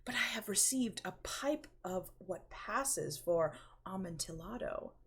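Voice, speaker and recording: A woman voicing a sly, vengeful gentleman who feigns friendly concern with courteous manners in a storybook read-aloud. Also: mid-range voice, animated, a little slow, breathy edge, full character voice. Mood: falsely warm. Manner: courteous, falsely solicitous.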